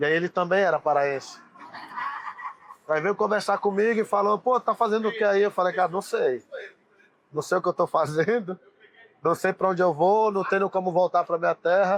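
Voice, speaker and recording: A man with a Pará accent speaks at a high pitch and moderate pace, with ordinary pitch variation. His loudness stays very even, broken by long, frequent pauses. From Brazil, Pará (Oriximiná). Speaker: football director, former player. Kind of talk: casual storytelling interview.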